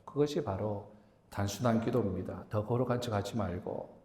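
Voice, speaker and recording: A man's voice: fairly low pitch, dark tone. A middle-aged man preaching a sermon to his congregation, talking to them directly and acting out the complaints of Bible figures. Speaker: pastor. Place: church sanctuary. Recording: echoey church hall with long reverb.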